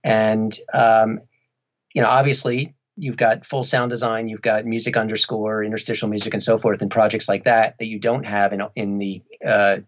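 A man explaining his narration and production work in an interview, in measured, halting, wordy phrases. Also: fairly low pitch, little pitch movement, muffled recording. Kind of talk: reflective interview conversation.

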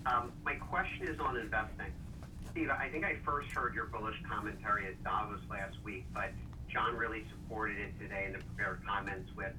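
Lowish-voiced male analyst, noisy distant line. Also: moderate pace. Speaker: financial analyst asking a question. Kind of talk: earnings call question.

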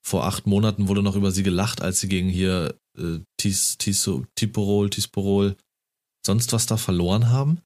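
A man in casual conversation about football, talking enthusiastically and getting animated as he retells a match. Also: deep voice, moderate pace. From Germany.

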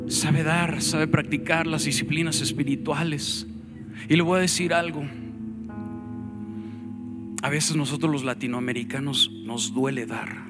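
A man with a Mexican accent preaching a sermon as pastor, fervent and storytelling, with exclamations. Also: a little high. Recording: sermon with loud music underneath.

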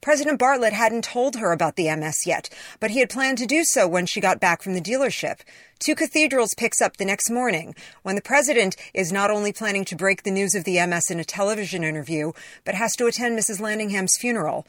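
A woman's voice: medium pitch, animated, quick pace, a bit bright, no echo, studio quality. A woman reading her own written essay in a conversational, personal storytelling manner. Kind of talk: scripted first-person essay narration.

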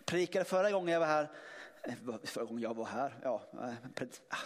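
A man's voice: medium pitch, expressive, slight background noise. A man preaching a sermon, speaking emphatically with many restarts and sudden swells in volume. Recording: long hall reverb.

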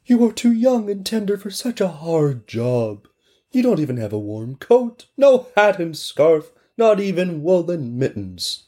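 Worried village neighbors, put on by a man, pleading in a raised, husky voice. Kindly, protective storybook villagers. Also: sits high, very animated, unhurried, mellow, pitched above the performer's own voice, full character voice.

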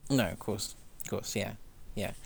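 A man's voice: fairly low pitch, normal speed, vocal fry, slightly rough. A man in casual chat about music, enthusiastic and chatty, laughing easily as he talks.

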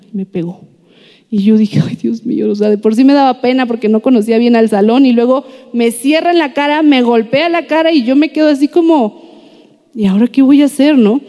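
A woman's voice: sits high, mellow, long reverb tail. A young woman tells a personal faith story in a chatty, confiding way, often tagging her sentences with questions. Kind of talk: Christian devotional talk with personal story.

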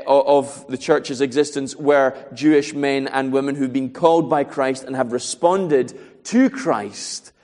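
A man's voice: a little high, darkish tone, big-room sound. A man preaching a sermon, earnest and asking rhetorical questions as he works through a Bible passage.

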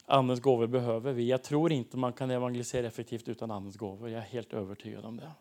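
A man preaching and telling testimony stories in a lively way, acting out the dialogue of the people in them. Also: medium pitch. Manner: animated, acts out dialogue in stories. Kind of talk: sermon testimony storytelling.

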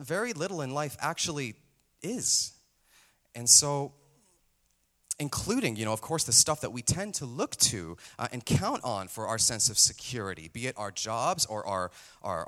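A man's voice: medium pitch, fairly bright tone. A man giving a casual, self-deprecating sermon from the stage to a church audience, with many fillers. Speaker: pastor. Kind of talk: conversational sermon.

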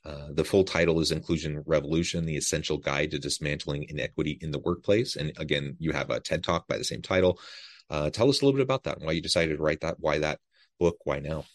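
Very deep-voiced male podcast host. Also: quick pace. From United States. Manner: enthusiastic, formal reading of guest bio. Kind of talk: podcast interview with scripted intro.

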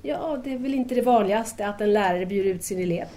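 A woman's voice: mid-range voice, dark tone, a little hiss or hum, natural voice. A woman playing a curious, shy young student in an audio drama, speaking politely in a tentative, questioning manner. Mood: shy, hesitant. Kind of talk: audio drama dialogue acting.

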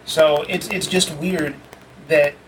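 Male podcast host, a bit high-voiced, candid and thoughtful; sits back from the mic with audible room noise. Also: fairly even intonation, takes it slowly. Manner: candid, reflective, casual swearing. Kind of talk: casual conversation. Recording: distant mic with clear background noise.

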